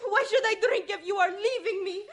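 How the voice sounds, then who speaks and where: Woman acting a high-voiced, melodramatic temptress. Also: a little fast. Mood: sullen. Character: passionate, possessive young Casbah singer with broken English. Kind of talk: radio mystery drama acting.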